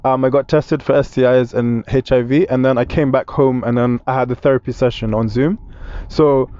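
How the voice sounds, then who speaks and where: A young man with a London accent, talking casually and a little haltingly as an interviewee in a taxi. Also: medium pitch, steady tone, warm tone, clear, resonant tone. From East London, England. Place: inside a moving taxi. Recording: muffled in-car recording with road noise.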